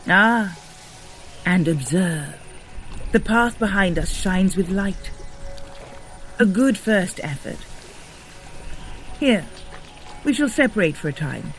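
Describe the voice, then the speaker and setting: A woman's voice: lowish voice, animated, slow, pauses often, soft background music. An actress playing a solemn, commanding Norse goddess in an audio drama, formal and authoritative as she gives instructions. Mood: instructing. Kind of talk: scripted audio drama acting.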